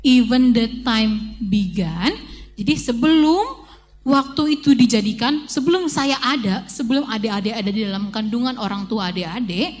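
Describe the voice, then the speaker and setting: A young woman with a fairly high voice tells children a story at Sunday school, acting out the voices as she goes. A faint hum sits under the recording. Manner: animated, acts out voices in her story, calls herself by initials. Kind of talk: children's church storytelling and song lesson.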